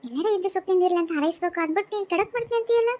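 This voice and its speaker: A woman's voice: very high-pitched, very fast, a little mellow. A woman voicing a scolding, motherly ghost companion in a cartoon, speaking North Karnataka Kannada and lecturing the new ghost. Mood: advising. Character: older ghost companion, calm, preachy, scolding. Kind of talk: cartoon voice acting.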